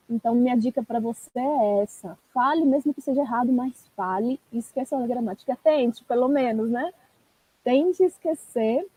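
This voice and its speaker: A woman's voice: on the high side, husky, phone-quality sound. A woman, a language teacher giving encouraging, direct advice in a live-stream coaching talk.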